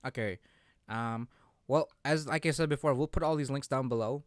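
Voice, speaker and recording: Smooth-voiced man, close and dry. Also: mid-range voice, normal speed, no echo. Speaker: podcast co-host. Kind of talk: casual chat about video games.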